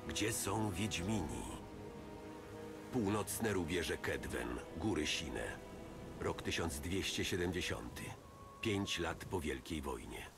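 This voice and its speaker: An actor playing a stoic, middle-aged monster hunter in a video game, speaking tersely and gravely over loud music. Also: male voice, sits low, exaggerated voice. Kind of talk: cinematic game voice acting, narration and dialogue.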